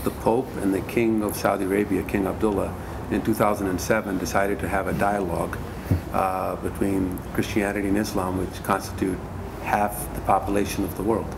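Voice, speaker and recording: A man from Pakistan answering interview questions earnestly, halting often with fillers and repeated words. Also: deep voice, level tone, gravelly, noisy background. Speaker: guest musician.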